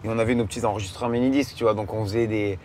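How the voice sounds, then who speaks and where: Relaxed man in his thirties. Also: lowish voice, racing. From France. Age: 30s. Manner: relaxed storytelling, many fillers and restarts. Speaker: electronic music producer, guest. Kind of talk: casual chat. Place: inside a car on city streets. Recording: faint road noise.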